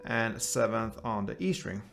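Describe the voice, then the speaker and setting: A man giving an informal step-by-step guitar lesson in short, halting phrases as the host. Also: lowish voice, expressive, creaky. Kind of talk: step-by-step instrumental tutorial. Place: indoors, small room, seated with guitar. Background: acoustic guitar playing.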